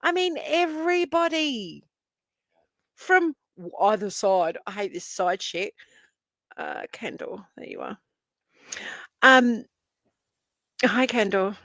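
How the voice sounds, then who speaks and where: A woman's voice: on the high side, lively intonation, slow, long pauses, a bit bright, no echo. A woman hosting a live stream, talking to her chat in a sarcastic, mocking way with theatrical gasps.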